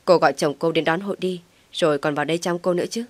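A woman voicing a kind, steady young man who speaks calmly and reassuringly. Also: low-pitched, quick pace, dry recording, close to an everyday voice. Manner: calm reassuring, a little teasing.

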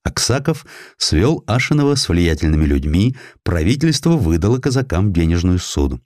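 A man's voice: sits low, sing-song, normal speed, darkish tone, dry recording, studio quality. A man narrating a historical story as a dramatised audiobook, reading from a script.

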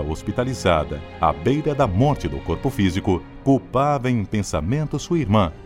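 Male announcer: low, highly animated, emphatic scripted recap for radio drama over clear music. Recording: prominent music behind the voice.

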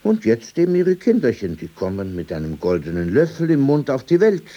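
A man's voice: mid-range voice, big pitch swings, brisk, mellow, lo-fi sound. An actor playing an old, opinionated Jewish man in a radio play, digressing indignantly with rhetorical questions and emphatic asides. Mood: indignant, sardonic. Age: older. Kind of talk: radio play, conversational monologue.

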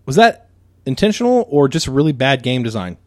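A man co-hosting a gaming podcast, making wry quick asides in casual chat. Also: mid-range voice, sing-song, darkish tone, no room sound, clean studio sound. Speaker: podcast co-host.

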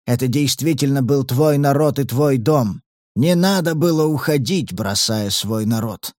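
A man voicing a stern, calculating old male patriarch who speaks slowly and low in an audiobook. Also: dry recording, clean studio sound. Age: older. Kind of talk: audiobook character reading.

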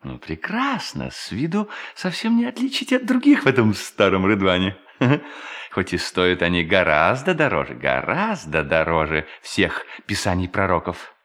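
Gleeful sly crook, wildly swinging low voice. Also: male voice, sing-song, moderate pace, fairly bright tone, heavily acted. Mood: gloating. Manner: talks to himself, muttering and exclaiming, self-mocking. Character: gleeful sly male bank robber posing as a pious hermit. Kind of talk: theatrical audio drama monologue.

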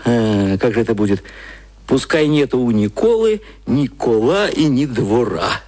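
A man's voice: medium pitch, sing-song, measured pace, darkish tone. An actor playing an earnest copywriter who voices his pompous analysis in a formal, bookish way, with typing behind him. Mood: pondering. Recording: clear typing noise over the voice. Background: keyboard typing.

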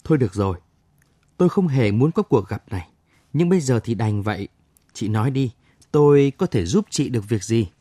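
A man's voice: mid-range voice, animated, fairly quick, dry recording, studio quality, lightly acted. A man playing a frightened young man. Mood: nervous resigned. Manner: hushed, nervous, then resigned.

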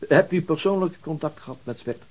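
An actor playing a businesslike police detective in a Dutch radio drama, asking probing, clipped questions with slight hesitations. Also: male voice, a little high, brisk, darkish tone, natural voice. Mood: probing, matter-of-fact.

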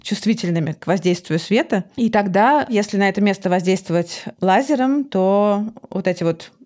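A woman's voice: medium pitch, lively intonation, normal speed, a little mellow. A woman hosting a popular-science show, explaining things in a conversational way with frequent little check-in tags. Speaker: podcast host.

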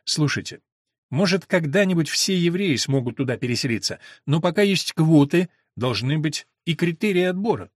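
A man voicing Elena, a sharp, ironic woman who answers with dry skepticism. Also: on the high side, animated, normal speed, dry recording. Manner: wry, skeptical questions.

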